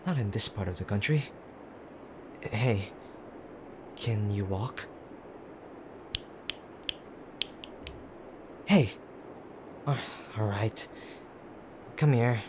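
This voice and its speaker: A man playing a gruff, teasing tsundere boyfriend who is frightened and tender underneath, in an intimate audio drama with brusque, halting urgency. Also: lowish voice. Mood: urgent, gruff. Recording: clear background ambient noise.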